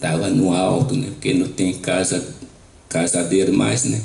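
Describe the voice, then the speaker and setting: A man whose first language is Maxakali, an indigenous teacher on a panel, retelling a traditional story in a slow, halting way, tagging most phrases with a question. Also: deep voice, fairly even intonation, creaky, darkish tone. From Brazil. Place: university lecture hall. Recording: echoey hall.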